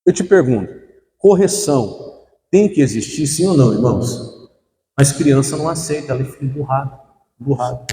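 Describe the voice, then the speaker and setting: A young man from Brazil, acting as pastor, preaches in a church hall with a dark, medium-pitched voice at a moderate pace broken by long pauses. His call-and-response sermon poses questions and asks the congregation to fill in words, recorded in an echoey space with slight hiss or hum.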